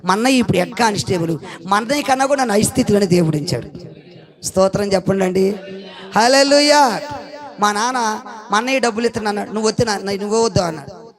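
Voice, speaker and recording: A middle-aged pastor, preaching an animated sermon full of stories in which he acts out the people he quotes, breaking into loud shouts of hallelujah. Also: sits high, quick pace, long pauses. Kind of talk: sermon with anecdotes.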